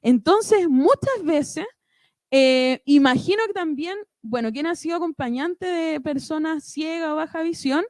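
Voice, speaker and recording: A woman with a high voice presents a church ministry workshop. She explains things step by step and keeps checking in with her listeners through short tag questions. The sound is dry, with no room echo. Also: measured pace, a little mellow. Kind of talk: instructive church workshop talk.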